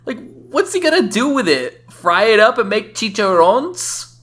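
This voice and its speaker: Animated, sarcastic woman reviewing games. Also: fairly high pitch, unhurried. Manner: sarcastic, exclamatory. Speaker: video game reviewer. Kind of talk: casual reaction commentary. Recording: voice-over with faint game music.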